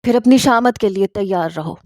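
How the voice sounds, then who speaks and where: A woman reading the lines of an angry young office worker, with scolding, sharp retorts. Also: medium pitch, no echo, clean studio sound, natural voice.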